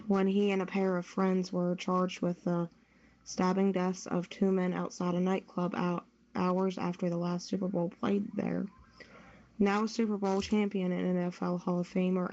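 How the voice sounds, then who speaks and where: A woman's voice: lowish voice, a little mellow. A woman presenting sports news on a podcast, reading from a script. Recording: dull lo-fi audio.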